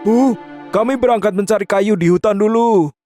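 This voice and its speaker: A man voicing a poor, kind-hearted woodcutter father in a cartoon, gentle and worried. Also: sits high, moderate pace, faint music behind, natural voice. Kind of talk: cartoon voice acting.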